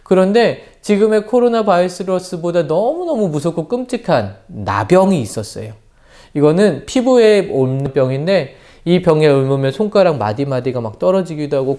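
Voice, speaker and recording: A man preaching a children's sermon as pastor, telling stories in an animated way and asking the kids questions, on a lapel mic. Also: a little high.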